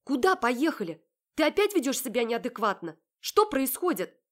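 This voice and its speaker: Indignant young woman, voiced by the female narrator, raised and shrill. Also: big pitch swings, normal speed. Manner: loud, indignant, high-pitched outbursts. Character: heated young woman arguing with her sister.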